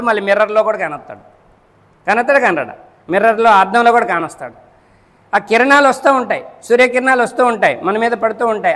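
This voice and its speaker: High-voiced man preaching in an echoing hall. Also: a bit bright. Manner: rhetorical, keeps checking the listeners understand; repeats and counts off points. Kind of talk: Friday sermon. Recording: long echo of a large hall.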